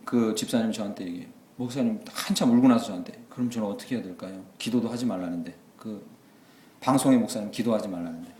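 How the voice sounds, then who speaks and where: A man preaching a sermon as pastor, moving between quiet asides and loud exclamations. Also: fairly low pitch, slight background noise. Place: church sanctuary. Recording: echoey church hall.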